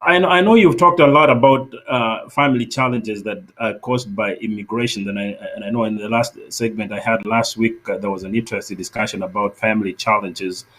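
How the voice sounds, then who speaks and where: A man hosting an interview, asking long, measured questions that frame each topic. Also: fairly low pitch, a bit bright, rough recording. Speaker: host.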